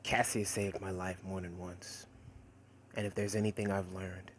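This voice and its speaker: A man voicing a sarcastic, wisecracking teenage boy who narrates in a wry, conversational monologue with dramatic pauses. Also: low voice, little pitch movement, slight background noise, natural voice. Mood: guarded, wry. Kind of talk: first-person character monologue, voice acting demo.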